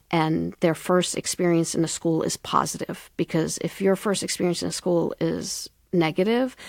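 A woman's voice: lowish voice, creaky, no room sound, clean studio sound. A woman from the Middle East, a school founder and soccer coach, answering interview questions earnestly with many fillers.

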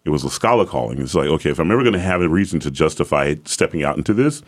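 A man from the American South, an opera singer with a very deep voice, talking as a guest in a relaxed roundtable conversation. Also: very fast. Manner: relaxed storytelling, laughs easily.

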